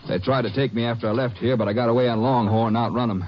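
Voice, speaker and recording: An actor playing a loyal, plainspoken cowboy Texas Ranger in a 1950s radio western, folksy and matter-of-fact. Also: male voice, medium pitch, steady tone, very fast, natural voice. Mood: relieved, easygoing. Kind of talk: 1950s old-time radio western acting. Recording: muffled, slightly hissy vintage radio.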